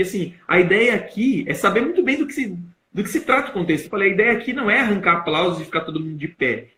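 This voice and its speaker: Young brazilian guy on a live stream teaching public speaking, bright kinda high voice, echoey room. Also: slight background noise. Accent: Brazilian Portuguese. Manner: explanatory, plays with emphasis and loudness to demonstrate.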